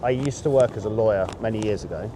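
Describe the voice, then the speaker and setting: A man in his late thirties, a dating coach chatting on the street and then giving a blunt sales pitch. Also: quick pace, background noise. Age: 30s. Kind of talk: street approach conversation and direct pitch to camera.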